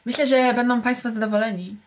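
A woman chats casually as a podcast co-host. Her voice sits fairly high, and she speaks with playful mock seriousness. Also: steady tone, fast.

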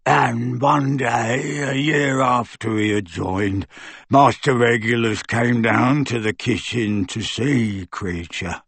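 Kreacher, a man voicing a croaking old house-elf. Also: mid-range voice, fairly even intonation, fairly bright tone, no echo, heavily acted. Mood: mournful. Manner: slow, pleading, sobbing in distress. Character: old servile male house-elf, wretched and bitter. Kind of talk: audiobook character voice.

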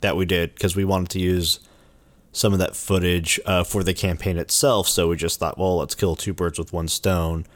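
A man co-hosting a podcast in casual chat, hoarse from bronchitis, rambling and correcting himself as he goes. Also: low-pitched, flat delivery, moderate pace. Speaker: podcast co-host.

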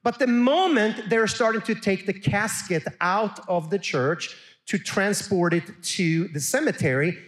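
A man's voice: high voice, a little slow. A middle-aged man from Sweden, a pastor preaching a sermon and calling on the congregation to answer back. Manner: animated, calls for audience responses.

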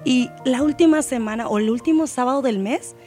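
A woman's voice: high-pitched, a little fast, warm tone, soft background music. A woman singer giving a heartfelt personal testimony in a Christian podcast interview, with English words mixed into her Spanish. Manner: heartfelt, emotional storytelling, mixes English words.

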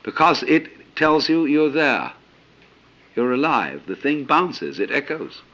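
Older male lecturer, philosophical and anecdotal, very animated intonation, thinking aloud with "you see.". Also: mid-range voice, slow, dull audio. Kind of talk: reflective spoken lecture.

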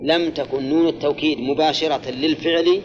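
A man's voice: fairly high pitch, steady tone, brisk. Older man, classroom lesson, step-by-step explanation, repeats key phrases, asks students questions, dull lo-fi recording. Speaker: teacher of Quran exegesis and grammar.

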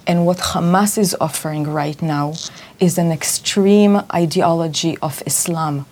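A woman from Israel answers questions in a radio studio. Her voice sits slightly low, and she speaks in a firm, formal and measured way. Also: darkish tone. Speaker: diplomatic representative. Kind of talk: interview answers.

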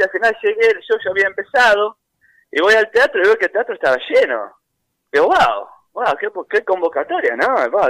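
A man with an American accent is speaking on a phone line in an animated way, and his pitch rises and falls a lot. He sits slightly high for a man, and his sound is dry with no room echo. He tells stories with many false starts. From Philadelphia, United States. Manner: chatty, animated anecdotes with many restarts. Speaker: guest author. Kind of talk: phone interview, storytelling.

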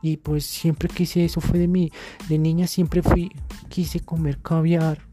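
A woman's voice: low voice, little pitch movement, dark tone, faint music behind, pitched above the performer's own voice. A woman voicing a vain, materialistic young woman who whines and sighs in a sketch. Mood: whiny, sweet. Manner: whiny, drawn-out sighs of "ay, mi amor".

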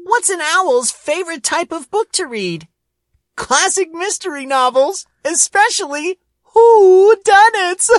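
A woman's voice: very high-pitched, expressive, slow pace, full character voice. A woman voicing a quirky, cheerful owl as a children's voice assistant, playful and chirpy. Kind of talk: voice assistant character replies for children.

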